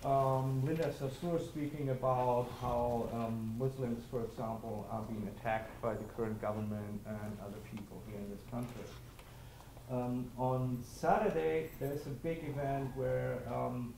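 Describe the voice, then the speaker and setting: A man with a Spanish accent, a conference organizer, giving a halting announcement to an audience with many "um" fillers. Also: mid-range voice. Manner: halting, many "um" fillers, non-native phrasing. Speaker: co-director of a conference, guest speaker. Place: church hall before an audience. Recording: echoey hall with noise.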